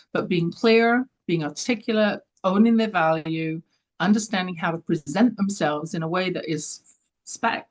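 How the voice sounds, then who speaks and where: An older Englishwoman speaks as a guest on an interview. She is a leadership coach who talks with earnest conviction and leans into her key points. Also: fairly low pitch. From London, England. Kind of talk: interview answers.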